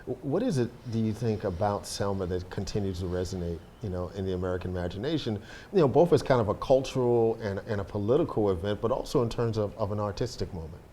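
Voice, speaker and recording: Low-voiced male interview host. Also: dark tone, slight background noise. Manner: measured questions with frequent fillers. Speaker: podcast host. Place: studio.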